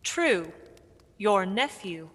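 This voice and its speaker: A woman voicing a solemn guiding spirit in a radio play, measured and formal, in a long reverb. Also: medium pitch, sing-song, fairly bright tone, full character voice. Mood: gently reproving. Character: Ghost of Christmas Past, solemn guiding spirit. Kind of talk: dramatic radio play acting. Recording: long cavernous reverb, faint background noise.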